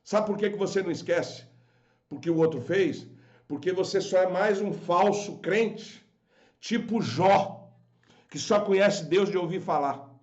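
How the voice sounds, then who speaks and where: A man's voice: high-pitched, unhurried, a little mellow, muffled recording. A man with a Brazilian Portuguese accent preaching a fervent, scolding sermon as a pastor on a live stream. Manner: fervent, scolding, acts out quoted voices.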